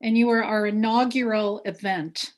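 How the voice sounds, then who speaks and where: A woman hosting and moderating an event, making informal announcements in a casual, halting way. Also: medium pitch, steady tone.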